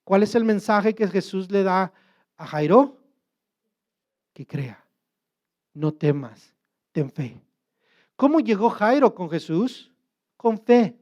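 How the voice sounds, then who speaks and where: A man's voice: high voice, lively intonation, slow pace, pauses often, a little mellow, lo-fi sound. A man preaching as a pastor, asking questions and answering them himself. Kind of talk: sermon.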